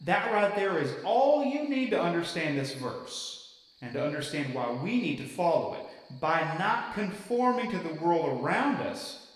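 An actor playing a zealous, folksy youth camp preacher who sermonizes in chatty, insistent rhetorical turns. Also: male voice, high voice, very animated, a little slow. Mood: fervent preaching. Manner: rhetorical, chatty asides, quoting in mock voices. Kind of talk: sermon to young people in an audio drama. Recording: echoey hall with long reverb, distant mic.

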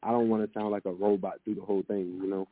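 Deep-voiced young man on a phone line. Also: fast, no echo. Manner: relaxed, hesitant, lots of fillers and restarts. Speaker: musician guest. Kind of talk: casual interview answers. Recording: dry, narrow phone-like sound.

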